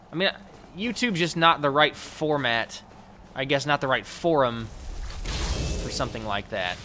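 Profane, animated man narrating gameplay. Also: mid-range voice, slight background noise. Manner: profane, rambling, talks to the game. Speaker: let's play host. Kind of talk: casual gameplay commentary.

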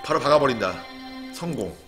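A young man streaming a game, commenting casually and excitably, muttering one moment and yelling and cursing the next. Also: mid-range voice, a little fast, over music. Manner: excitable, swings from muttering to sudden yelling and swearing.

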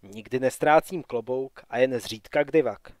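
A man voicing a sardonic young male wanderer who grumbles and mocks, read softly in an audiobook. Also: mid-range voice, no room sound, studio quality, natural voice.

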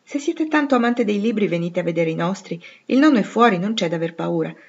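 A woman reading the part of a shy, courteous teenage boy in a storybook, polite and gently teasing. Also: mid-range voice, lively intonation, quick pace, breathy edge, dull audio.

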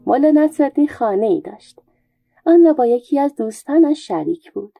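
A woman storyteller calmly narrating folk tales in a steady reading voice. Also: sits high, vocal fry, soft background music.

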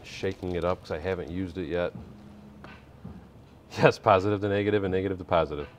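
A man's voice: sits low, steady tone, fairly quick, a little hiss or hum. A middle-aged man hosting a live building stream, chatting casually, reading viewer comments and laughing easily. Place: indoor workshop room.

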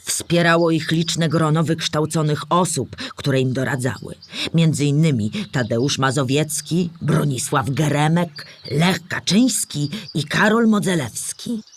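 An actress playing a storyteller who explains history to children in measured, articulate scripted narration. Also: female voice, deep voice. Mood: explanatory, measured. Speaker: narrator of a children's audio drama.

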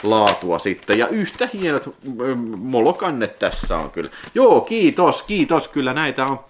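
A man with a Finnish accent chatting casually as he unboxes videotapes in his vlog, excitable and prone to sudden high whoops. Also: slight background noise. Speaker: video collector vlogger.

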